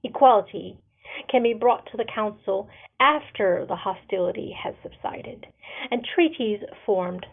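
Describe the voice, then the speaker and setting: A woman voicing a stern, measured male leader in a fantasy story, grave and authoritative. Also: mid-range voice, creaky. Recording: narrow phone-like sound.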